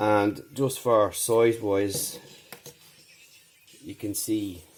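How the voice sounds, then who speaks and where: Ordinary pitch variation in an Irish accent, with music in the background. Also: man. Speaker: tech reviewer. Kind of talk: casual talk to camera.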